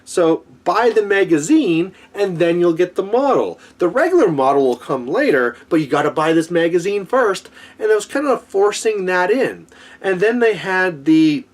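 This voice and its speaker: A man's voice: high-pitched, lively intonation, moderate pace. A man giving a casual, rambling opinion rant to viewers as a hobby gaming vlogger, complaining in an exasperated, conversational way.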